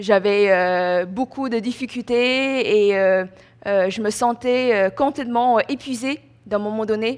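A woman with a Chinese accent speaks at a very slow pace against a quiet background. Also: fairly high pitch for a woman, ordinary pitch variation. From China. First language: Chinese (speaking French). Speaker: student. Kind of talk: testimony. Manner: halting.

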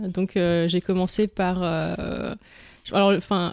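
A woman speaks in a flat monotone with a dark, mellow tone. The sound is dry and close with no echo, on a very clean recording over a silent background. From New Caledonia. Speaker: fantasy author and illustrator. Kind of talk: casual interview. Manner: hesitant.

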